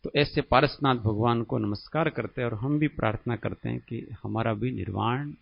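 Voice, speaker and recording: A man from India giving a slow, explanatory religious discourse as a spiritual teacher, often asking his listeners questions. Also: mid-range voice, creaky, muffled recording.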